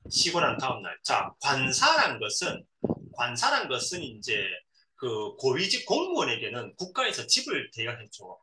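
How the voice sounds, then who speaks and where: A middle-aged man reads a novel aloud to his son in a bright, forceful, mid-range voice with wildly swooping pitch. He reads a passage, then often pauses to explain words simply and acts out the quoted lines. The recording has roomy echo and faint noise, with him a bit far from the mic.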